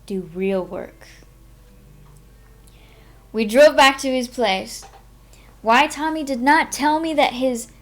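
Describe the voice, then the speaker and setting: A woman narrating a memoir aloud as a live streamer, in an informal manner with her own small asides. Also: a little high. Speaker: streamer reading a book aloud.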